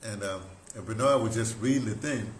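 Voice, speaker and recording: An older American man telling stories casually as a talk host, in an excitable, rambling way with broken, repeated phrases. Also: on the low side, a little fast. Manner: excitable, animated storyteller with broken, repetitive phrasing. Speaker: radio drama producer and talk host. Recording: roomy echo, clear background noise.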